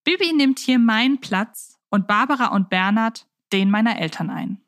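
A woman speaks as a podcast host, with a voice pitched a little high. She moves between casual chat and reading aloud. The sound is dry, with hardly any room on it. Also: expressive, moderate pace, fairly bright tone, dry recording.

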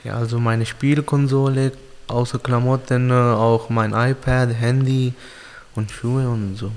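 A young man from Pakistan whose first language is Urdu, answering interview questions in simple, halting learner's German with many pauses. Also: mid-range voice, level tone, a little mellow, in a large hall. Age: young adult.

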